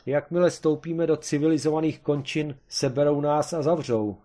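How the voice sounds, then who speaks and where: A man voicing a gloomy, grumbling amateur detective in a comic storybook reading, pitched above his own voice. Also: fairly even intonation, warm tone, close to an everyday voice.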